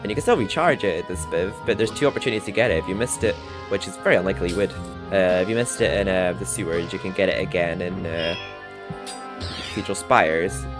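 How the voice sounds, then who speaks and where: A man's voice: sits low, fast talker. A young man giving casual let's-play commentary as a YouTuber, rambling and chuckling often. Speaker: gaming YouTuber. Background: game music.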